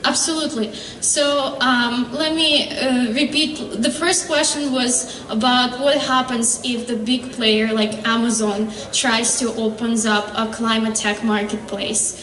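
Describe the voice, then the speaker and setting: High-voiced woman pitching in an echoey hall. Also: steady tone, fairly bright tone. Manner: earnest, halting with fillers and restarts. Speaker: startup founder pitching. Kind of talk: pitch presentation and Q&A. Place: convention hall stage. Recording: echoey hall, distant mic.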